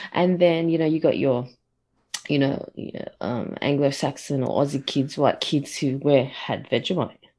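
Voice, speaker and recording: A woman speaks with an Australian accent in a very deep, low pitch and a dark, mellow tone. Her intonation is fairly even against a quiet background. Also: moderate pace. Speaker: personal trainer. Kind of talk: casual chat.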